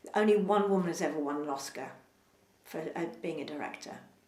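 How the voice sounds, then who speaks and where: A woman's fairly low-pitched voice carries audible room echo. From London, Hounslow (Middlesex). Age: 60s. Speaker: actor and theatre director. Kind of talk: interview. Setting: theatre.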